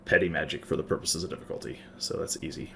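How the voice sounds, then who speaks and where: A man narrating and refereeing a tabletop role-playing game as game master, conversational and pausing to explain rules. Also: rumbling low, fairly even intonation, gravelly, background noise.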